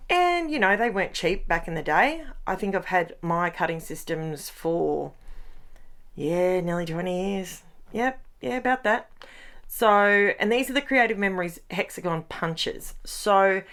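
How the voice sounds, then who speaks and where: A middle-aged woman, chatting in a craft voice-over with a croaky voice, rambling and breaking off her own sentences. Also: on the low side. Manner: chatty, rambling, self-interrupting. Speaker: scrapbooking vlogger.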